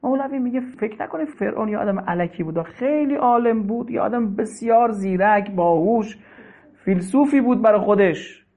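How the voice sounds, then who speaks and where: Male preacher, high voice, lively storyteller, slow verse recitation, phone-thin sound. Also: highs cut off. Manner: animated storyteller, recites verses slowly and measuredly. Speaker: preacher teaching Rumi's Masnavi. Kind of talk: sermon with poetry recitation.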